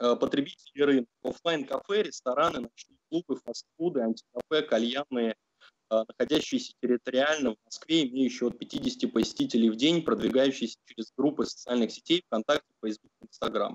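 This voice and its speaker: An ordinary speaking voice from a man, fairly high in pitch with ordinary variation, at a moderate pace against a quiet background. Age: young. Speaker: startup founder. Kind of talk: answering panel questions; startup pitch. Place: home room. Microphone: video call.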